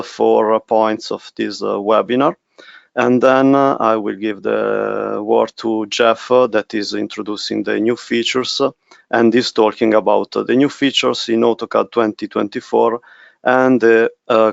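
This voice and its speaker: A man with an Italian accent presenting a software webinar, speaking haltingly with many pauses. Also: fairly low pitch, gravelly, no room sound, dull audio. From Italy. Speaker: technical specialist presenter.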